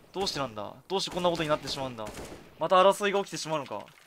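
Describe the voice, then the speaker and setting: Light background noise sits behind a man's voice. He talks at a very fast pace with lively intonation. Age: 20s. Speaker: game streamer. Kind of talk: casual chat. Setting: live stream. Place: home room.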